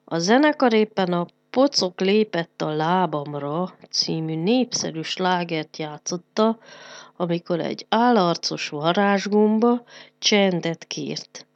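A woman narrating a children's storybook in a lively, expressive reading voice. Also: on the low side, dry recording, highs cut off.

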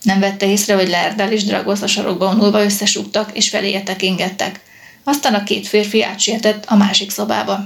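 A woman reading a novel aloud as an audiobook narrator, in an even storytelling manner. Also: mid-range voice, creaky.

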